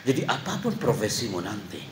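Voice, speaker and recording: A middle-aged man giving a lively motivational talk to boarding-school students, acting out quotes and swinging between loud and soft. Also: on the low side, fairly quick, slight background noise. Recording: echoey hall with faint ambience.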